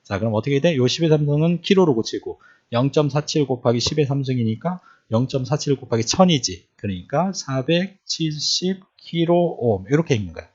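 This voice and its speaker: A man's voice: medium pitch, lively intonation, brisk, hardly any pauses, a little mellow, slightly rough. A man teaching electronics in a lecture style, often repeating points and quizzing the listeners with questions. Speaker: electronics instructor. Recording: dull lo-fi recording.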